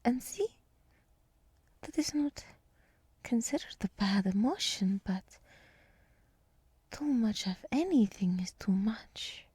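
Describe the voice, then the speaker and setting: A woman voicing a gentle, soothing deer woman who guides meditation in a whispered ASMR roleplay, speaking softly and reassuringly close to the microphone. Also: fairly high pitch, animated, no echo, exaggerated voice. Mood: earnest, tender. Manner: slow, soft, breathy, reassuring. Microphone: close microphone, dry.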